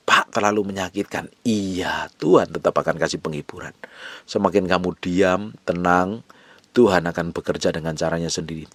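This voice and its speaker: A male pastor preaching a sermon with urgent exhortation, repeating short phrases and moving between forceful rises and hushed low phrases. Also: no echo.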